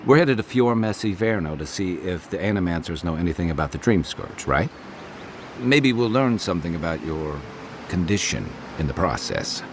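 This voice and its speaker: An actor playing an easygoing, wry adventurer companion in a video game, teasing and reflective. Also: male voice, sits low, big pitch swings, moderate pace, a little hiss or hum. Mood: thoughtful, wry. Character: easygoing wry male adventurer companion, weathered but good-humoured. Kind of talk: naturalistic video game dialogue.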